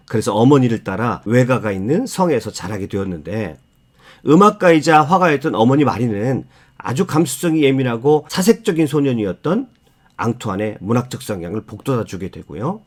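A man speaks as a lecturer telling a story about books and writers. His medium-pitched voice moves widely up and down, with measured, emphatic phrases and polite, explanatory sentence endings. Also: darkish tone. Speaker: book narrator and lecturer.

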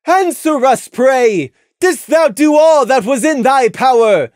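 A stern royal mare who speaks in thee and thou, pitched high and loud, as a reader puts her on. Her speech swings widely in tone, imperious and commanding. The recording is dry and close. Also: animated, takes it slowly, clean tone, no echo. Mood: demanding. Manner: archaic formal speech, commanding. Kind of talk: audiobook reading of fan fiction.

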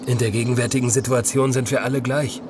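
A man playing a falsely courteous, menacing vagrant in a horror audio drama, speaking in a measured, mock-polite way. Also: medium pitch, flat delivery, background noise, close to an everyday voice. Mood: smooth, condescending.

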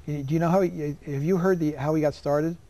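A man's voice: a little high, fairly even intonation, a little fast, dark tone, no echo. An older man in his seventies from New York, hosting a casual TV studio interview and telling stories with frequent laughs. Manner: chatty, storytelling, laughs often. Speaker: host.

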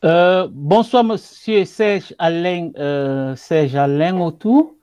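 A middle-aged man, speaking as a guest over a video call with emphatic, halting, repetitive phrasing. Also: a little high, a little mellow, clear, resonant tone, no room sound. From Cameroon. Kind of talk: passionate political commentary. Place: indoor room with wood wall. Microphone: earphone headset on video call.

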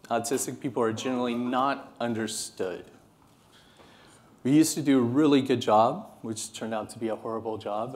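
A man in his thirties from California with an American accent, giving an earnest, passionate conference keynote to a seated audience. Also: mid-range voice. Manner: earnest, animated, passionate delivery. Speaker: keynote speaker. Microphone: podium microphone, moving around the stage.

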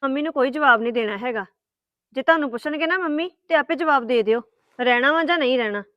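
A woman's voice: high voice, fast, fairly bright tone, dry recording, dull audio. An actress playing a stubborn young wife who argues back at her husband in a family drama. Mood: arguing. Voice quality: argumentative, retorting. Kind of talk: Punjabi family drama acting.

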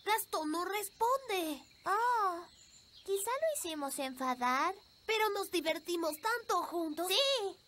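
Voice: very high-pitched, lively intonation, slow, noisy background, exaggerated voice. An actor voicing an innocent, eager young child in a Latin American Spanish cartoon dub. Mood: concerned. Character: cheerful young children, a little fairy princess and an elf boy. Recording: music behind the dialogue.

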